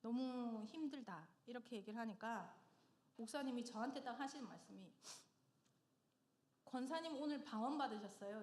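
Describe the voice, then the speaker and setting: A middle-aged woman giving a personal testimony in church, telling her story with lively humor and frequent laughter. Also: fairly high pitch. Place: church sanctuary. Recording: echoey church hall.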